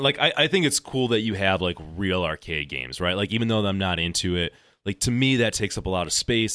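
Speaking at a fairly quick pace with lively intonation, a man with a fairly low pitch has a bright, sharp tone in a very clean recording with a silent background. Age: 40s. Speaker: pinball podcast co-host. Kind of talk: casual chat.

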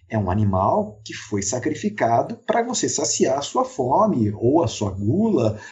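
The voice is somewhat breathy and fairly slow. Its pitch swings very widely. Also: man. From Brazil, São Paulo. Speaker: author, civil servant. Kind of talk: interview.

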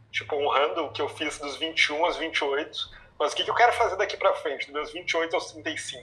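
A man talks at a moderate pace. There is noticeable background noise behind him. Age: 20s. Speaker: group facilitator. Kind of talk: casual chat. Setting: live stream.

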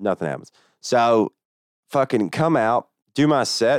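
A man with a Southern US accent speaks at a medium pitch with lively intonation. The recording is very clean, with a silent background and a dry, close sound with no echo. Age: 20s. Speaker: comedian. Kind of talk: casual chat. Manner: animated.

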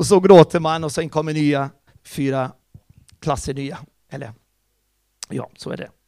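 At a moderate pace, a man with a fairly high voice keeps his intonation fairly even while his loudness swings widely between long, frequent pauses. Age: 50s. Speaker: church teacher. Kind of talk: teaching seminar.

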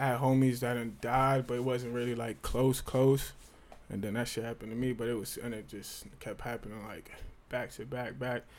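Here a man speaks in a New York accent at medium pitch. His intonation is flat and monotone. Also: moderate pace. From New York City (Castle Hill, Bronx). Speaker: rapper, one half of a hip hop duo. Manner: profane, casual.

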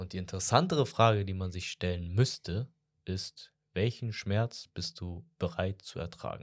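Recorded dry and close with no echo, a man speaks at a fairly slow pace, with a very deep, low pitch and ordinary pitch variation. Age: 20s. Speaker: podcast co-host. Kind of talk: casual chat.

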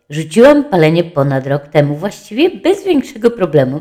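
A woman talks at a moderate pace in a fairly low voice. Her pitch swings very widely. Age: 50s. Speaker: podcaster. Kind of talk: personal monologue. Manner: chatty, informal.

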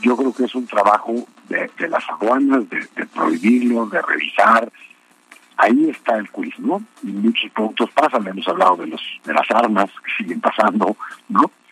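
At a fairly slow pace, a man talks while noticeable background noise is present. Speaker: political strategist. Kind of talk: radio interview.

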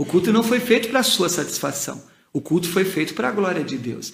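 Audible room echo surrounds a man speaking at a high pitch and fairly quick pace with lively intonation. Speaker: Methodist bishop. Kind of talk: casual interview chat.

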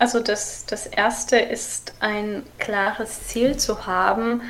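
A woman with a Ukrainian accent speaks at a very slow pace and a fairly high pitch. Her intonation is fairly even, with noticeable background noise behind it. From Ukraine. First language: Ukrainian (speaking German). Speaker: immigrant. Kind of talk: interview. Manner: hesitant, many fillers.

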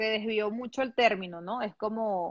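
In a Venezuelan accent, a woman talks at a fairly high pitch with lively intonation. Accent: Venezuelan accent, noticeable in Mexico. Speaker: influencer. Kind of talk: casual chat. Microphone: connection briefly froze.

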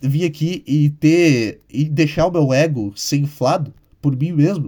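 Fairly high in pitch yet dark and mellow in tone, a man's somewhat breathy voice moves with ordinary pitch variation. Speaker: podcaster. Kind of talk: casual solo monologue. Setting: home bedroom at night. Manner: speaking quietly.

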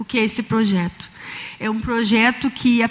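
At a moderate pace, the voice moves with monotone, flat intonation. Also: woman. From Rio Grande do Sul, Brazil. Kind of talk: public testimony at council meeting.

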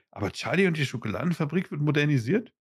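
On a very clean recording with a silent background, a man speaks at a fairly high pitch with vocal fry. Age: 20s. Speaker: podcast host. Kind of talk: casual chat.

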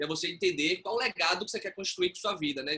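A man's raised, projected voice, high in pitch with a bright, sharp tone. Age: 20s. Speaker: community leader in self-knowledge education. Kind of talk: interview.

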